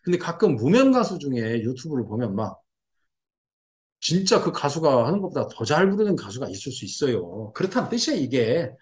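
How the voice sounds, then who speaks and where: A middle-aged man giving an explanatory lecture on old texts, repeating each term and acting out reactions in lively asides. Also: medium pitch, brisk. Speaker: lecturer on classical fortune-telling texts. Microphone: seen on camera.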